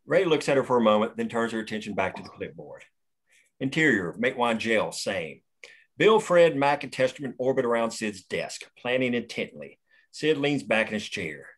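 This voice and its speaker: A man's voice: mid-range voice, very animated, normal speed, breathy edge. A man reading the stage directions of a screenplay steadily at a table read.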